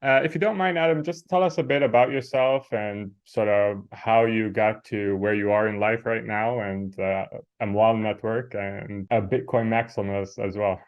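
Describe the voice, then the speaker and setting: A man with a fairly low voice hosts an interview conversationally. The recording is somewhat dull and lo-fi. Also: normal speed, few pauses. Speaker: interview host. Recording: dull, lo-fi microphone sound.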